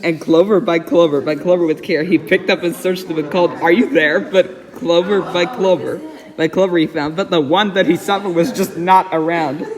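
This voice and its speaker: A man's voice: a little high, fairly even intonation, moderate pace, a crowd in the background. A man giving a dramatic reading of a rhyming children's storybook, stumbling a little over words. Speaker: storybook reader. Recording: echoey, very reverberant room.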